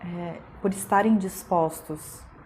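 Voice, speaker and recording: The tone is calm, dark and mellow. The voice is somewhat breathy. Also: woman. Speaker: spiritist study teacher. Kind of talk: live-stream study class. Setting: live stream. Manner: slow; calm, meditative.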